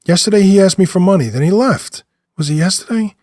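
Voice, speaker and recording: Man playing a high-pitched, agitated, rambling street man. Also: lively intonation, warm tone, no room sound, studio quality. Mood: agitated, confused. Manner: halting, repeats and corrects himself.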